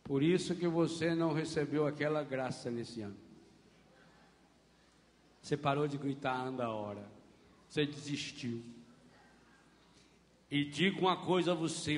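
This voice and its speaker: A man with a Brazilian Portuguese accent, preaching a Catholic sermon animatedly and acting out scenes with shouts. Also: on the high side, long reverb tail. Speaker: Catholic priest.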